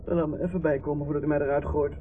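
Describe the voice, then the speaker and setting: An actor playing a dazed young hitchhiker who has just woken, in a Dutch radio play. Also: male voice, a little high, flat delivery, very fast, natural voice. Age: young adult. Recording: muffled, noisy old radio play recording.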